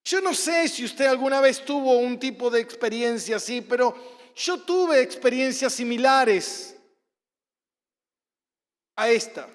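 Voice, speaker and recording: A man, a pastor with a Rioplatense Argentine accent, preaching a sermon and acting out stories, at times bursting into shouts. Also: very high voice. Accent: Rioplatense Spanish. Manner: storytelling, acts out scenes, bursts into shouts. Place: church hall. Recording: church hall reverb.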